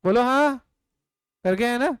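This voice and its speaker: High-voiced man teaching a class. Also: a little slow, clean tone, dry recording. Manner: asks the class questions and prompts answers; drills points with call-and-response. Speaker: economics teacher. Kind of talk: live class lecture. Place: classroom or home studio.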